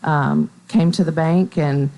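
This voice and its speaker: A woman in her thirties from Middle Tennessee, a bank marketing staffer talking on local radio in a measured, upbeat way with fillers. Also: low-pitched, fairly even intonation, dark tone, dull audio. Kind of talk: radio interview.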